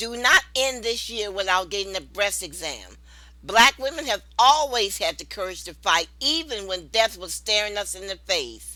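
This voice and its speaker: A woman's medium-pitched voice with a bright, sharp tone and vocal fry, lively intonation, big swings in loudness and a moderate pace, on a very clean recording with a silent background. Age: 70s. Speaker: breast cancer survivor and advocate. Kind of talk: testimony and appeal.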